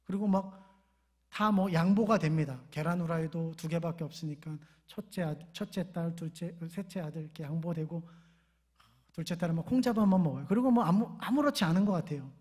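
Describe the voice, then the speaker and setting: A middle-aged man preaches with a high, somewhat husky voice. He talks to the congregation casually, tells stories about home life and has them repeat key phrases back to him. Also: brisk, a little mellow. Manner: conversational preaching with everyday stories and call-and-response. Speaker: pastor. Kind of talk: sermon.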